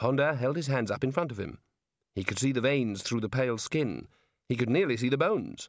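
Reading aloud in a natural voice, with ordinary pitch variation, against a quiet background

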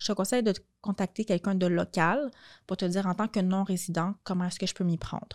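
Speech comes at a very fast pace in a very clean recording with a silent background and a dry, close sound with no echo. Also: woman. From Montreal, Quebec. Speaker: tax lawyer and real estate investor. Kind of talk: casual chat.

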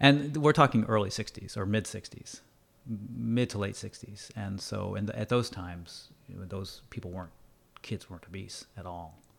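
Against a very clean recording with a silent background, a man with an American accent uses a plain, everyday voice, fairly low in pitch with ordinary pitch variation, big swings in loudness and a moderate pace. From US New England (Andover, Massachusetts). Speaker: retired communications lecturer. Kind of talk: casual interview. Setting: at host's home.

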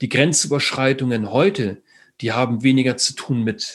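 A man talks at a fairly slow pace in a medium-pitched voice. The background is quiet. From northern Germany, Schleswig-Holstein. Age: 40s. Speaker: former teacher and parenting seminar leader. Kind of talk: interview conversation.

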